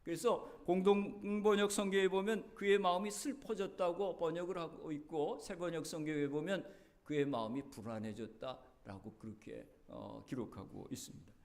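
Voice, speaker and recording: A man's voice: a little high, steady tone, normal speed, vocal fry, a little mellow. A male pastor preaching a sermon in a church, telling the story earnestly, his voice rising and dropping. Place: church sanctuary.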